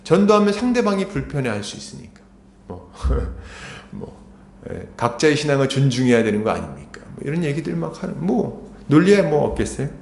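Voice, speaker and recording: A man's voice: sing-song, fairly quick, creaky, a little mellow, slight background noise. A middle-aged man pastor preaching a sermon in a church, conversational and full of rhetorical questions. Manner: grows urgent and raised in pitch. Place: church sanctuary. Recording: echoey church hall.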